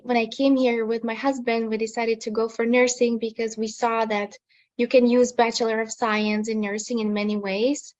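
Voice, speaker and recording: A woman, a nursing student answering panel questions earnestly in slightly halting English. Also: a little high, dull audio. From Slovakia.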